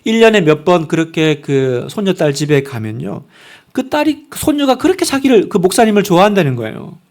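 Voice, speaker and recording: A male pastor preaching a sermon in a church, emphatic, swinging between loud declarations and hushed passages. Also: high voice, sing-song, fairly quick.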